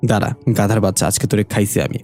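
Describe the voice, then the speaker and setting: A short-tempered young master of occult rituals who scolds his helpers with sarcasm, as a male storyteller plays him. His voice is mellow and warm, and faint music plays beneath it. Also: fairly low pitch, fairly even intonation, fast talker, lightly acted. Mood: sarcastic.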